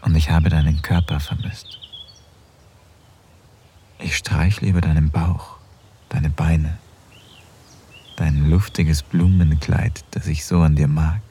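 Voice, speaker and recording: An actor playing an affectionate married man in an intimate audio drama, speaking softly and close to a whisper. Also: rumbling low, steady tone, slow, long pauses. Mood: tender. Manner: soft, intimate, often near a whisper. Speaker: husband in an erotic audio drama.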